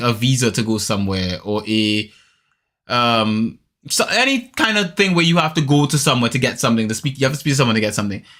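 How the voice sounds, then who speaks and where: A man with a Jamaican accent talks very fast at a medium pitch, his tone bright and sharp with ordinary pitch variation. His loudness stays very even, and the recording is very clean with a silent background. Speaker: anime podcast co-host. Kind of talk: casual chat. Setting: live stream.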